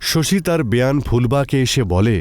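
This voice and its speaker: Expressive man narrating a horror story. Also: mid-range voice, normal speed, dry recording, soft background music.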